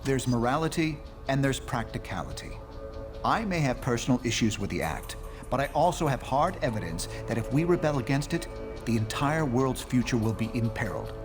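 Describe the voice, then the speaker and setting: A man voices a pragmatic superhero leader from a video game. The voice is medium in pitch, controlled and matter-of-fact, like an official briefing. Music runs clearly behind it. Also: animated, brisk, natural voice. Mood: measured. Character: measured, pragmatic genius male superhero leader. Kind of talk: video game cutscene dialogue.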